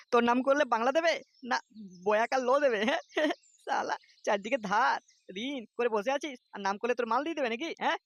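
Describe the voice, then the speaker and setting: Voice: sits high, fairly quick, a bit bright, no room sound. An actor voicing an irritable male club boss in a comic cartoon, scolding in coarse slang with a West Bengal accent. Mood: mocking.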